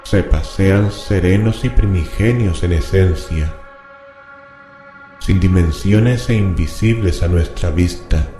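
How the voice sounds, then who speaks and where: A man acts out a grave scholar in a horror radio play, in a very dark, echoing voice over music. He intones forbidden scripture slowly, with solemn dread and an ominous, incantatory weight. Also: low voice. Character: grave, horrified scholar reading forbidden occult scripture aloud. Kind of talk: horror radio drama acting. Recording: reverberant voice with music bed.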